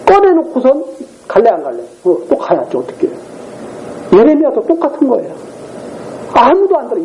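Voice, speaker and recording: Male pastor, evening sermon in a church, high and very lively pitch, slightly dull recording with faint room sound. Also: slight background noise. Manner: reads scripture then explains it, acting out voices in quick asides. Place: church sanctuary.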